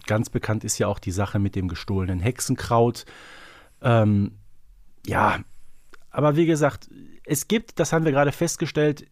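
A man's voice: medium pitch, a little mellow, no room sound, studio quality. A man co-hosting a podcast, explaining things casually and reflectively, with some hesitation. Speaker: podcast co-host. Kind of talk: casual, knowledgeable fan discussion.

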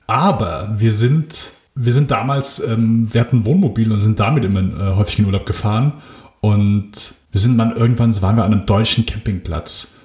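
A man's voice: on the low side, brisk, a little mellow. A man in his thirties co-hosting a casual film podcast, rambling with many fillers and restarts. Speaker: podcast co-host. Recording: roomy echo.

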